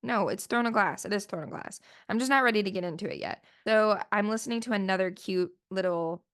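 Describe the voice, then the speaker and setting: Solo podcast host, woman, chatty and rambling, smooth voice, a bit sniffly after the flu. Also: medium pitch, brisk, fairly bright tone. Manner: chatty, rambling, lots of "like" fillers. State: sniffly, voice still recovering from flu. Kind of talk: casual solo podcast chat.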